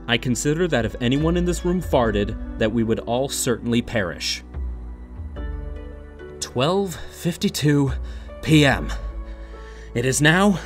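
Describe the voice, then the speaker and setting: Male narrator, theatrical and mock-serious, lively swooping intonation for scripted comedy, light music underneath. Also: mid-range voice. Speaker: humorous reader of an online classified ad. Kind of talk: dramatic reading, scripted comic narration.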